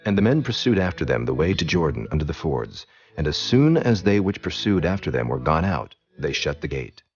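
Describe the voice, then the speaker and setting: A man's voice: rumbling low, sing-song, a little fast. A man narrating scripture as a scripted reading, solemn and formal. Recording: dull, muffled audio. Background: faint music.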